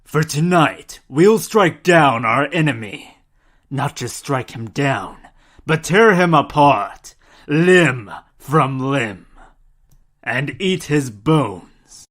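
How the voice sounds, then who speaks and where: A man's voice: mid-range voice, animated, extremely slow, a bit bright, exaggerated voice. A man acting a sinister, grandiose elder of a secret cult in a radio drama, solemn, incantatory and menacing. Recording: music under the voice.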